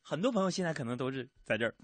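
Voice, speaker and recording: Lively husky man. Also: fairly high pitch, racing, no echo. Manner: animated joking, laughs at his own punchlines. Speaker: radio host. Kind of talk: comic radio monologue. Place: radio studio.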